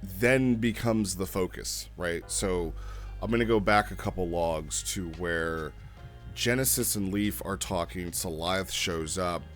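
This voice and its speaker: A man's voice: sits low, unhurried, faint music behind. A man giving a casual, rambling spoken review as a host, conversational and repeating phrases as he explains things. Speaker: host reviewing role-play logs.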